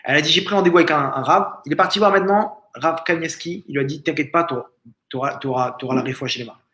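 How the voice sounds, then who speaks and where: A man's voice: on the high side, quick pace, bright, forceful tone, roomy sound. A rabbi giving a lesson in a family home, telling a story and acting out the people he quotes. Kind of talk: Torah lesson told as a story.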